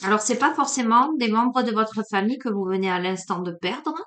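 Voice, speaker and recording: With a fairly bright voice on the high side, a card reader from Marseille, France, carries out a casual oracle card reading. Her faint southern French accent accompanies a sleepy, hesitant delivery full of pauses and fillers.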